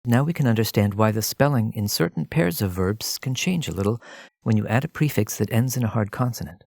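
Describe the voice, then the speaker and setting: A man narrating a scripted language lesson as a teacher, explaining in a measured way and addressing the listener directly. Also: on the low side, expressive, creaky, darkish tone, dry recording, studio quality.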